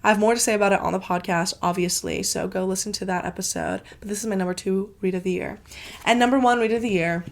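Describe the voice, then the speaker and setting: A woman's voice: mid-range voice, fairly even intonation. Congested woman gushing about books. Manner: gushing, fast, filler-heavy talk with frequent swearing. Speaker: book channel host. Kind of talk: casual book review vlog.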